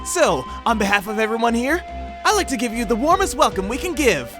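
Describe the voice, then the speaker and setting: A man's voice: very high voice, very animated, a little fast. A man playing an eager, proud young ape heir in an audio drama, welcoming people with enthusiasm. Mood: excited, welcoming. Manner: enthusiastic, announcing. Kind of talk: fan audio drama with musical number. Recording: music behind.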